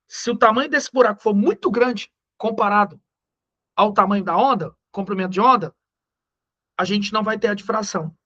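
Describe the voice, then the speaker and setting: A man with a Brazilian accent teaching physics in a recorded lesson. He talks in a slangy, joking way and slows down to stress the key numbers. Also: sits high, bright, forceful tone, muffled recording. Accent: Brazilian Portuguese.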